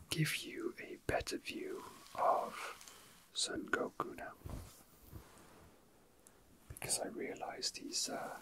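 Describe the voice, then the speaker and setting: A man whispering softly and breathily in a casual, unscripted ASMR style, with halting delivery, close to the microphone. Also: rough recording. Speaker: ASMR video host.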